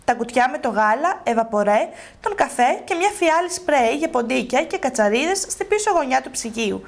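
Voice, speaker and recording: A woman TV host reading a story aloud in a steady narrating manner. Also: sits high, gravelly.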